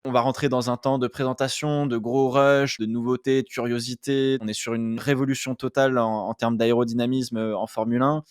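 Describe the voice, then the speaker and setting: A man's voice: medium pitch, flat delivery, a little fast, few pauses, smooth, no room sound. Late-20s man, thoughtful guest, casual and hesitant, close dry mic. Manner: thoughtful, many fillers and restarts. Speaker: guest, content creator. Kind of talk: casual interview talk.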